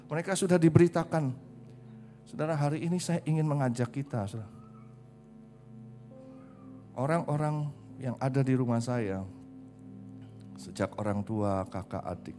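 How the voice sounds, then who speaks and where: A man's voice: medium pitch, moderate pace, pauses often, music in the background. A male pastor preaching a sermon emphatically, calling out to the congregation again and again and dropping in English phrases. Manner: emphatic, repeatedly addresses the congregation.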